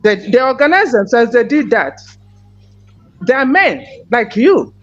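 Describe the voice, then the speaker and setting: A woman's voice: on the high side, very animated, unhurried, faint music behind. A woman host, confronting a caller in heated call-in commentary and firing repeated questions. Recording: dull lo-fi, faint noise.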